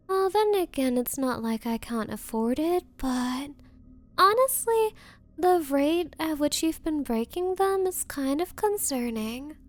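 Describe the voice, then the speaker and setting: A woman acts out a bratty anime-style rich girlfriend in an intimate ASMR roleplay. Her voice is high and slow, recorded very dry. She talks down to her listener in a sweet, teasing way, with a possessive yandere edge. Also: darkish tone, dry recording. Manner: condescending, teasing, faux-sweet, drawn-out valley-girl phrasing.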